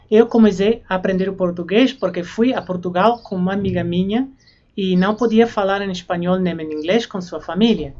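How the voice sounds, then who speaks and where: An American woman, a young adult whose first language is English, talks casually through a home vlog and names household words one by one in a plain, unhurried way. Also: mid-range voice, darkish tone, highs cut off. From United States. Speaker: language learning vlogger. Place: her room and house.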